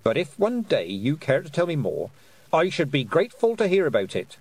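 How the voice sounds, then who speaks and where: A man's voice: on the high side, sing-song, moderate pace, pitched above the performer's own voice, poor audio. A man playing a stern old witch. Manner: clipped, commanding. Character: stern thin old woman witch, proud and blunt.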